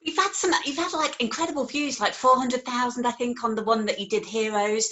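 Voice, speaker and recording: A woman hosts a casual chat with a guest. Her voice is fairly high and bright, her manner gushing and enthusiastic, full of "like" and "um". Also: fairly quick, slight background noise. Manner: enthusiastic, chatty, lots of fillers like 'like' and 'um'. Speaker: interviewer, host.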